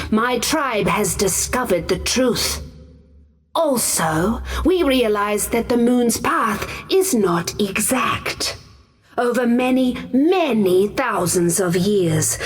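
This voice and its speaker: A woman playing a solemn tribal lore keeper from a fantasy game, explaining with measured certainty. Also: fairly high pitch.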